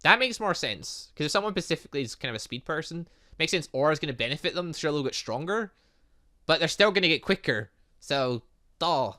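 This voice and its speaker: A man's voice: a little high, animated, quick pace, pushed and bright. A British man giving casual, rambling let's play commentary and talking back to the game as he goes. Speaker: gaming channel host.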